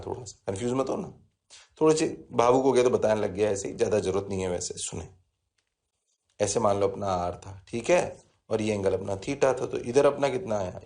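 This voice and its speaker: A man's voice: mid-range voice, a little mellow. A man with an Indian accent teaching physics in a classroom lecture, repeating key phrases and answering his own questions in his students' voice. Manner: talks to students, answers himself in their voice; repeats key phrases, mixes English terms in.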